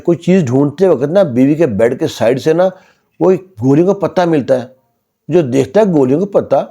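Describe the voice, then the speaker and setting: A man, telling a story in a casual spoken way and retelling dialogue in quick dramatic bursts. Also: on the high side, mellow. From Pakistan. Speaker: storyteller and channel host.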